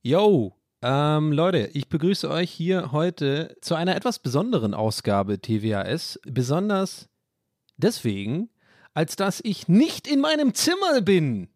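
A man's voice: on the high side, big pitch swings, unhurried, a little mellow, no echo. Male podcast host, casual solo monologue, self-mocking and rambling, dry close phone mic. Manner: rambling, self-mocking, jumps between tangents. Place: hotel room. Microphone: phone microphone.

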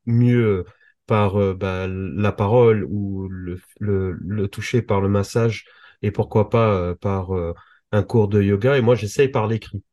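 A man hosting a podcast interview, friendly but halting, with many fillers. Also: lowish voice, fairly even intonation, dark tone, no echo. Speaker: podcast host.

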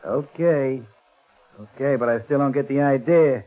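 An actor playing a folksy, doubtful working-class roller coaster operator in a 1940s radio crime drama. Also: male voice, mid-range voice, normal speed, natural voice. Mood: obliging, puzzled. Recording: muffled vintage radio recording.

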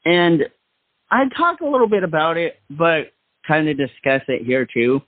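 A man's voice: a little high, big pitch swings, moderate pace, dry recording, phone-quality sound. A man hosting a talk show, giving casual radio-style commentary.

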